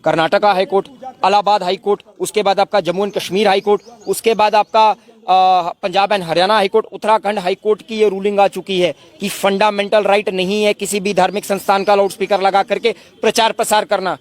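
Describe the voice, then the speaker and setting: A man's voice: high voice, little pitch movement, fairly quick. A man making an impassioned, emphatic statement to reporters at a protest, full of indignant rhetorical questions. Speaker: protest spokesman.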